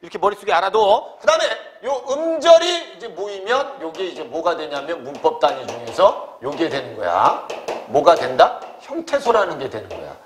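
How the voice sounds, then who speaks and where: A middle-aged man teaching a grammar class, constantly checking that students follow with quick tag questions, asking questions and answering them himself, and slowing down to dictate key definitions. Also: a little high, sing-song, a crowd in the background. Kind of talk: classroom lecture.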